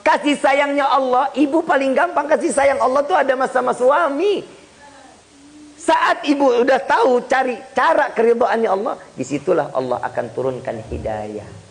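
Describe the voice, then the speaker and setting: A man preaches a light-hearted Islamic sermon. His voice sits high for a man, and he jokes with the crowd and asks them questions as he goes. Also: moderate pace. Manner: lively, joking, addresses the audience directly. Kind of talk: humorous Islamic sermon to a congregation.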